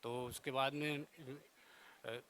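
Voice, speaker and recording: Calm man recounting events haltingly. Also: mid-range voice, slight background noise. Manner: calm, plain, halting retelling with restarts. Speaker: husband giving testimony. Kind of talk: casual recounting.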